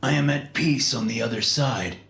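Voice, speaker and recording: A man voicing a medium who fakes a dead husband's loving spirit in a slow, wavering, over-pious tone. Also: medium pitch, gravelly, fairly bright tone, roomy sound, soft background music, voice pushed up.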